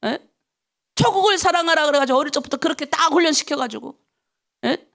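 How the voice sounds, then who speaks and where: A woman's voice: high voice, fast talker, gravelly, fairly bright tone. A middle-aged woman pastor preaching a dawn prayer sermon, emphatic and personal, full of rhetorical questions and stories from her own life.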